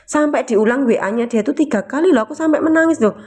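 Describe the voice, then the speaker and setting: A woman's voice: sits high, fast talker, a little mellow, slightly rough. A woman telling a personal story to listeners, emotional and casual, often checking in with them. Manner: emotional, keeps asking listeners "you know?". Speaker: motivational storyteller.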